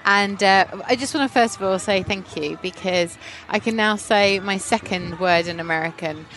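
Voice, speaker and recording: A woman's voice: mid-range voice, moderate pace, a bit bright, rough recording. A woman with an English accent, co-hosting an interview, playful and self-mocking in casual chat. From England. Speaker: podcast co-host.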